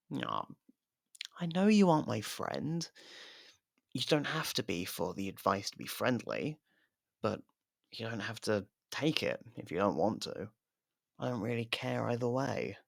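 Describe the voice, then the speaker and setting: A man's voice: lowish voice, gravelly, a bit bright, no echo, clean studio sound, heavily acted. A man acting out a sardonic, taunting, casually profane imprisoned murderer in an ASMR roleplay. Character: sardonic imprisoned murderer reluctantly partnered with a detective.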